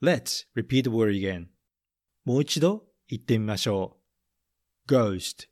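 A man reads a children's picture book and then quizzes listeners on English words, pausing after each question. He speaks very slowly and clearly at a middle pitch, repeating every point first in English and then in Japanese, like a patient teacher. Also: animated, darkish tone. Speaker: storybook reader and English teacher. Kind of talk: bilingual picture-book reading and vocabulary quiz.

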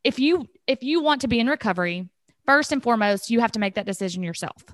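A woman's voice: on the high side, expressive, fast, dry recording, clean studio sound. A woman in her thirties hosting a podcast, talking candidly and chattily, laughing easily. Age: 30s. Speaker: podcast host. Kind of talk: casual podcast conversation.

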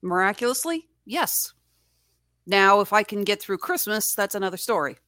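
A woman's voice: medium pitch, animated, moderate pace, a bit bright, no room sound, clean studio sound. A woman in casual podcast chat, telling anecdotes in a chatty way. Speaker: podcast guest co-host.

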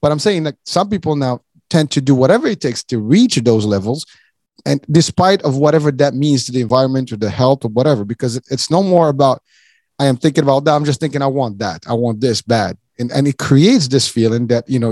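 Guy from morocco hosting a chat, mid pitch, rambly w lots of "you know", dead dry sound. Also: brisk, darkish tone, no echo. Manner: rambling, many restarts and "you know", chuckles often. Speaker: podcast host. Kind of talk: casual interview chat.

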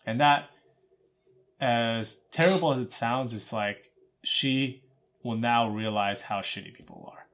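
A man's voice: mid-range voice, measured pace, fairly bright tone. A young American man chatting casually as a co-host, leaning on fillers like "like" and "right?". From United States. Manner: filler-heavy, keeps asking "right?". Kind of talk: casual chat.

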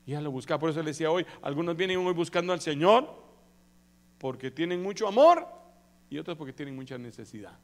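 A man preaching a sermon as pastor, animated, going from soft asides to loud exclamations and asking the congregation for amens. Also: on the high side, a little fast.

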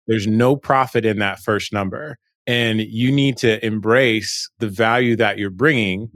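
A man hosting an interview, relaxed and reflective, thinking aloud as he asks questions. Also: lowish voice, unhurried, no room sound, clean studio sound. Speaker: interviewer host. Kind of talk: conversational interview.

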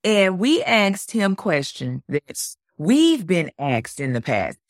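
Deep-voiced woman, upbeat podcast co-host, close dry mic. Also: slow, dry recording. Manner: upbeat, energetic, says "like" often. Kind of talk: casual podcast chat.

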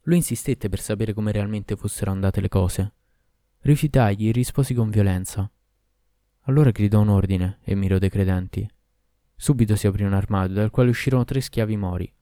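A man reading a classic tale aloud in a measured, expressive way. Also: fairly low pitch, no room sound, studio quality. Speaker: narrator.

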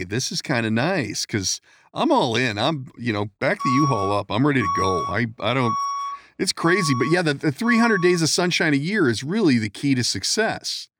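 A man's voice: medium pitch, background noise. A man hosting a casual podcast interview from his studio, chatty and joking, rambling a bit as he talks. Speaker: podcast host. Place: studio in Minneapolis.

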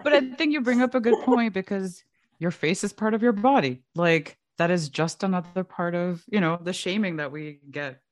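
Co-host: woman, very low pitch, relaxed moderator who affirms and passes the mic. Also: moderate pace. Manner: relaxed, affirming, steers the talk. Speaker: podcast co-host. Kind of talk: casual chat.

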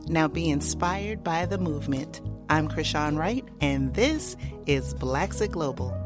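A woman hosting a podcast interview, upbeat and enthusiastic with her guest. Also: low voice. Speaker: podcast host.

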